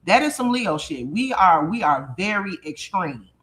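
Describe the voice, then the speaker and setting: A woman in her thirties from Chicago, hosting a casual livestream and reading chat in a blunt, animated, profane way with frequent laughter. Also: fairly low pitch, unhurried.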